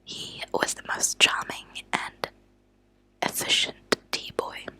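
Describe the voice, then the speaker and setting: A woman whispers softly and breathily in an ASMR style, with a crisp, bright edge to the sound. She takes her time, speaking very slowly and deliberately with hushed pauses, like a host reading to her listeners. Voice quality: soft, breathy unvoiced whisper. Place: at a desk indoors.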